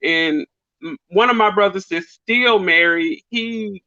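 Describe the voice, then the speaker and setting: A woman's voice: mid-range voice, takes it slowly, bright, forceful tone, dull audio. A woman in her late thirties, a guest on a casual live chat, speaking openly about her family. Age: 30s. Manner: open, talks freely about her family. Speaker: livestream guest.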